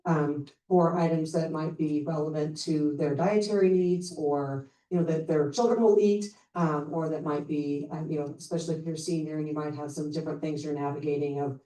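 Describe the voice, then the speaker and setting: A charity program representative with a deep, mellow, steady voice presents her organization's services at a community meeting, speaking a little fast with few pauses. She is upbeat and informal with many fillers, picked up by a distant mic in a roomy public meeting room.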